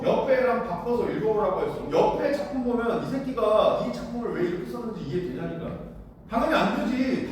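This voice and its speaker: A man teaching high school literature in a lecture room, blunt and casual, constantly asking students whether they follow. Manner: keeps checking understanding with rhetorical questions; blunt, casual, with mild slang. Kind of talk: classroom lecture. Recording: very echoey room, far from the mic, faint noise.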